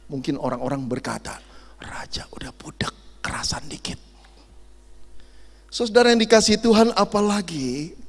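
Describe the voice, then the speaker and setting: A middle-aged man, a pastor, preaching a lively sermon full of jokes and acted-out stories. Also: high voice. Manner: animated, jokey, acts out dialogue and sound effects. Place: large hall at a youth camp. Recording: long hall reverb.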